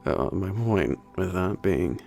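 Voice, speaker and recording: A man playing a laid-back, slightly gruff young werewolf trainer in a casual ASMR roleplay, talking in a halting, informal mumble that trails off. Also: low-pitched, lively intonation, full character voice. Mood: casual, helpful. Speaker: workplace trainer. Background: soft background music.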